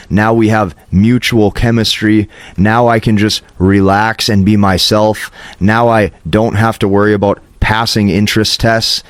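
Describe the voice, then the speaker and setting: Speaking in a lowish voice without echo, a dating advice coach delivers an emphatic, teaching-style motivational monologue straight to camera, regularly checking in with "okay".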